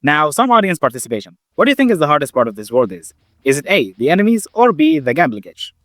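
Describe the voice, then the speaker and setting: A young man who stutters often, narrating and reacting loudly to a game he is playing, casual and swearing. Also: fairly high pitch, big pitch swings, quick pace, faint music behind. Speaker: gaming YouTuber. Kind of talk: game commentary with voice-over narration.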